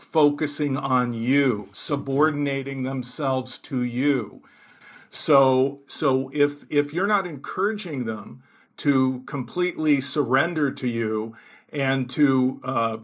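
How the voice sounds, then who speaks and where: A man on a talk show panel, pressing an accusation through deliberate questioning with restarts. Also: medium pitch, lo-fi sound. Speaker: panel guest, critic.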